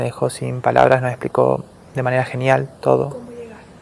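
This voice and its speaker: A man's moderately paced speech comes through with noticeable background noise around it. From Argentina, Catamarca. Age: 20s. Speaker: psychology student, program participant. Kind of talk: testimony.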